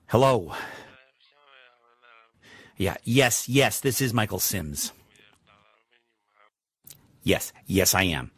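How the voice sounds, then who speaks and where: A man playing a weary, worried middle-aged father in an audio drama, with a halting, subdued manner. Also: on the low side, lively intonation, a bit bright, full character voice. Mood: anxious. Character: weary, worried father of a missing woman's family.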